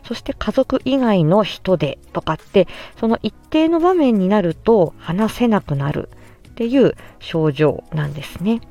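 A speech-language-hearing therapist hosts a podcast, politely explaining a topic with measured pauses and frequent fillers. Her medium-pitched voice has a dark tone and big pitch swings.

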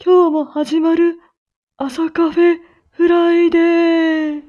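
A woman voicing a slow-talking old grandpa character who announces the show in a drawn-out way. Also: very high-pitched, little pitch movement, phone-quality sound, voice pushed up. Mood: cheery.

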